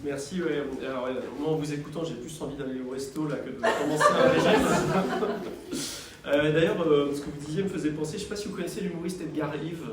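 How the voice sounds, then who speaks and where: Male audience questioner, slightly high voice, hesitant, far from the mic in a very echoey hall. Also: steady tone, a little fast, crowd noise. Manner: hesitant, many fillers. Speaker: audience member asking a question. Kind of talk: conference Q&A. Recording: very echoey hall, distant mic, faint noise.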